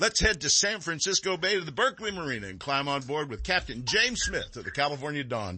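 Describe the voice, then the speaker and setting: Vocal fry from a man with an animated, warm tone, very wide pitch swings and a fairly quick pace. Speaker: radio host. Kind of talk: radio DJ patter, upbeat show opener and banter. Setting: radio studio. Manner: animated, warm, jokey, energetic.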